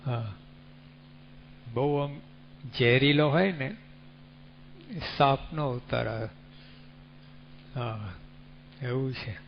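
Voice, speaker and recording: Male preacher, measured sermon delivery, faint hum in the background. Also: medium pitch, creaky. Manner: unhurried, teaching with rhetorical questions and animal examples. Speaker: religious speaker. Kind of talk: devotional sermon. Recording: dull lo-fi recording with faint hum.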